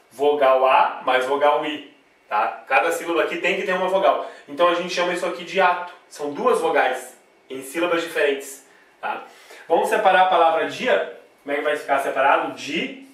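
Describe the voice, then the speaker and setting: A man's voice: on the high side, a bit bright. A man with a Brazilian accent giving a grammar lesson at a board, emphatic, repeating key words and checking in with "tá?" as he explains. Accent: Brazilian Portuguese. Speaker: grammar teacher. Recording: very echoey room, voice from a distance.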